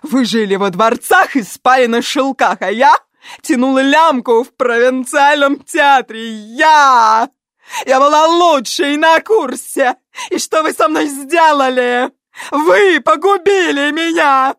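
A high, shrill, shrieking voice for a bitter middle-aged actress. She rants slowly, loud and drawn-out, full of grievance, and the reading is close and dry. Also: no room sound. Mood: hysterical. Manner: ranting, slow and drawn-out. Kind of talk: audiobook character voice.

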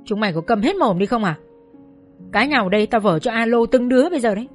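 A woman's voice: mid-range voice, quick pace, faint music behind, lightly acted. A woman voicing a harsh, bullying male karaoke bar manager. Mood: gruff.

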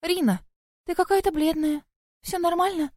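Woman doing a high, anxious bunny girl who fusses kindly over her friend; dry and close. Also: fairly even intonation, moderate pace, a little mellow, no room sound. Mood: concerned. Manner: earnest, worried, fussing. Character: friendly young rabbit-eared girl, anxious and caring.

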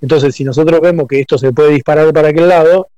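Man, hesitant, reflective, higher voice, dry. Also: steady tone, fast, warm tone, no echo, lo-fi sound. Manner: thoughtful, hesitant, uses voseo. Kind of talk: cultural discussion.

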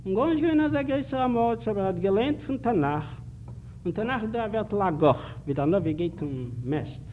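A man's voice: high-pitched, brisk. Man lecturing on a tinny old tape. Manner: animated, emphatic, rhetorical questions to the audience. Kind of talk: public lecture with anecdotes. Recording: tinny archival 1950s lecture tape with faint hiss.

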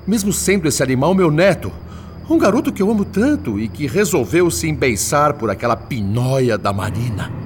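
A man's voice: a little high, big pitch swings, moderate pace, slight background noise. An actor playing an older grandfather's spirit, agitated and bitter, in a radio drama. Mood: indignant.

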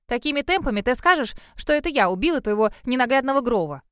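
A woman voicing a vain, fussy female dog who is quick to protest in an indignant, huffy way. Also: sits high, animated, a bit bright, clear, resonant tone, no echo, clean studio sound.

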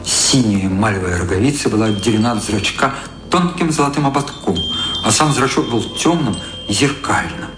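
A man's voice: fairly low pitch, normal speed, background noise. Male radio-play narrator, roomy echo. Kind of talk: scripted radio drama narration. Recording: roomy echo with prominent music.

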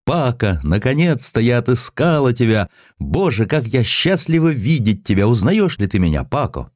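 A man's voice: medium pitch, big pitch swings, moderate pace, a little mellow, no room sound, voice pushed up. A rapturous, grand lady of the opera, put on by a male narrator, speaks with grateful fervour. The delivery is emphatic and effusive, lifted above the reader's usual register and swinging widely in a dry studio audio story. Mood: overjoyed. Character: rapturous world-famous female opera singer, grateful and grand.

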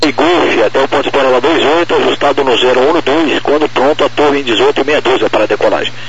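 A man's voice: medium pitch, quick pace, slightly rough. A Brazilian man working as an airport ground controller, giving procedural instructions over the radio. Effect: radio transmission. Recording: muffled aviation radio, faint noise.

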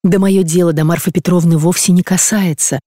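A reader voicing a formal, earnest young gentleman suitor in an audiobook, speaking with polite courtesy. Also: high-pitched, steady tone, brisk, no echo, studio quality, close to an everyday voice.

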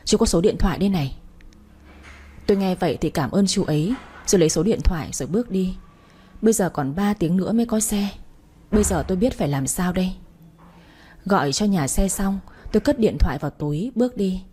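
A woman narrating a first-person story in a calm, steady reading voice. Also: lowish voice, a little fast, slightly rough.

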